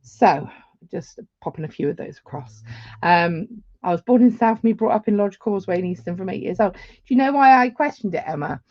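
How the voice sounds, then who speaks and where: A woman's voice: mid-range voice, lively intonation, brisk, no room sound, dull audio. A woman, giving a chatty live beading tutorial with rambling asides. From England.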